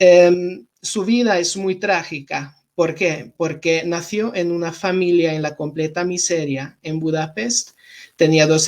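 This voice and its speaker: A very slow delivery in a Castilian accent with fairly even intonation. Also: man. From Hungary. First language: Hungarian (speaking Spanish). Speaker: diplomat. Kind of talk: interview. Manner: halting, many fillers.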